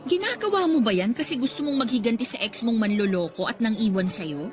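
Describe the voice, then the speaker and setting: An actress playing an exasperated, protective best friend in a radio drama, with a Filipino accent and scolding, probing questions. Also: female voice, on the high side, lively intonation, brisk, close to an everyday voice. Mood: worried scolding. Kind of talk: Tagalog radio drama acting. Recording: music faintly underneath.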